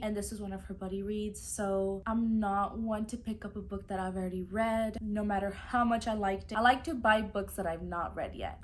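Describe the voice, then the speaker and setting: A woman's voice: mid-range voice, a little hiss or hum. Chatty woman with a Spanish-first background. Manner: chatty, fills with "like" and "so". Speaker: book vlogger. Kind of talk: casual book haul chat.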